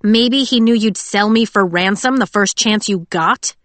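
A woman's voice: medium pitch, unhurried, fairly bright tone, dry recording, close to an everyday voice. A woman voicing a defiant, sarcastic teenage cyborg girl with a biting tongue. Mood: cutting.

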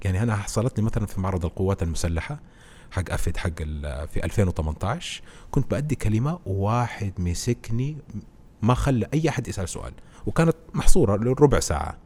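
A man, a podcast guest who explains presenting skills through animated stories in casual conversation. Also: lowish voice, slightly rough. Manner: animated storytelling, explains with anecdotes.

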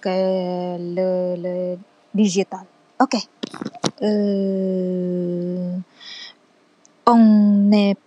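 A young woman, not a native speaker, talks through a homework podcast in a hesitant, halting way. She speaks very slowly, and her voice is mellow and dark rather than bright. Fillers and restarts break up nearly every sentence. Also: mid-range voice, no echo, highs cut off. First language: not French. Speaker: student making a class podcast. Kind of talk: casual monologue.

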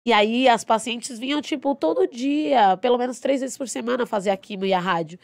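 A young adult woman and podcast guest telling her story in a blunt, animated, outspoken way, swearing freely. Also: fairly high pitch, a little fast, gravelly, no room sound. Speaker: podcast guest, dance teacher. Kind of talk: casual storytelling.

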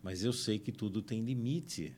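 A man telling stories as a guest in a conversation, animated and acting out the dialogue he quotes. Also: fairly low pitch, measured pace, slight background noise. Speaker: guest, family and career consultant. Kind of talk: storytelling in conversation.

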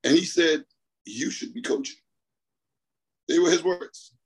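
A man's voice: fairly high pitch, measured pace, breathy edge. A middle-aged man from the Bahamas, a track coach, telling his story in a rambling way over the phone, repeating himself and laughing often. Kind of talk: storytelling interview on a call.

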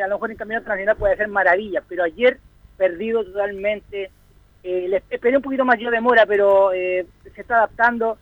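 Male football panelist on a phone line, hesitant and filler-heavy, high pitched. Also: no echo. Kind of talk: sports talk debate. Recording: tinny phone-line sound.

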